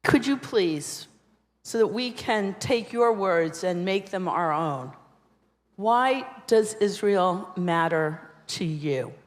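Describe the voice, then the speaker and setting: A woman moderates a panel in a large conference hall, speaking slowly and deliberately. Her questions come out measured and inviting, and a long reverb trails after each line. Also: mid-range voice, animated.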